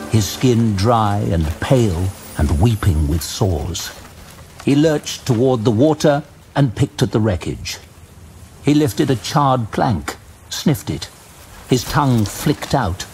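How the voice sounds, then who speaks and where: A man narrating a scripted fantasy story dramatically, in a measured, suspenseful manner. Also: on the low side, a little mellow. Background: music.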